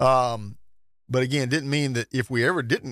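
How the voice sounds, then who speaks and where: The voice has a Southern US accent. Its intonation is fairly even over a quiet background. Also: man. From South Carolina, near Columbia. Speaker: state party chairman. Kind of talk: political interview.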